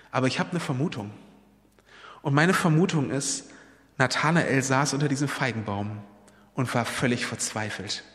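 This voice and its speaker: A man's voice: medium pitch, a bit bright, big-room sound. A man preaching a sermon, retelling a Bible story in an earnest, personal way and appealing directly to his listeners.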